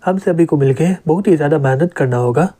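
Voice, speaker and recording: A man voicing a calm young male city lord in a plainly read comic recap. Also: a little high, fairly quick, natural voice.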